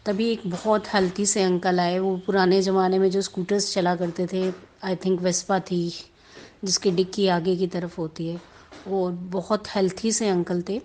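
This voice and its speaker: A woman's voice: lowish voice, little pitch movement, unhurried, darkish tone, slight background noise. Woman telling a personal story, chatty. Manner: chatty, mixes English words into Hindi, frequent restarts. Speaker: devotee sharing a testimony.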